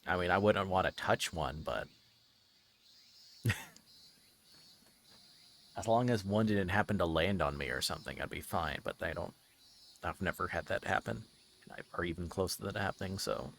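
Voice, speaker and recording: A man's voice: low voice, normal speed, vocal fry, pauses often, a bit bright, slight background noise. A man livestreaming a visual novel, chatting casually and reading aloud, sometimes stumbling over his words. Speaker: streamer.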